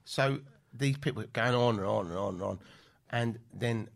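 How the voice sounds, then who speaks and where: A middle-aged southern English man with a creaky, gravelly edge to his voice. He tells anecdotes in loose, chatty conversation, often acting out what people said. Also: mid-range voice, moderate pace. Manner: chatty, sweary storyteller, acting out remembered exchanges. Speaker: podcast guest, event promoter and film producer. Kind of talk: casual anecdotal chat.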